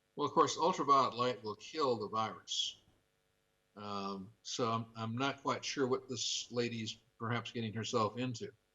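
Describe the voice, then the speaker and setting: A man at medium pitch with an American accent, a normal speaking voice, ordinary pitch variation, and a moderate pace. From US, San Francisco. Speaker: creation scientist answering viewer questions. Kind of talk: live TV Q&A answer. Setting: remote link on live TV.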